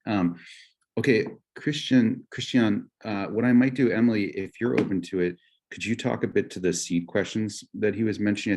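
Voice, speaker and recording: A man with a very deep voice speaks quickly as a panelist. He sounds upbeat and enthusiastic as he hands questions over to a colleague. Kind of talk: panel discussion.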